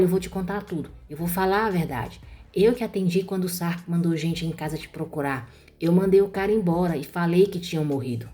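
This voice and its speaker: A woman's voice: on the low side, a little mellow, close to an everyday voice. A woman voicing a young woman who confesses and begs her sister's forgiveness, in a pleading tone. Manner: pleading, remorseful.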